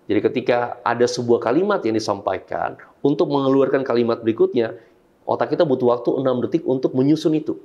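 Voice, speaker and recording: A man's voice: medium pitch, fast, muffled recording. A man, a public speaking coach explaining his method point by point in an interview, often repeating phrases to demonstrate emphasis.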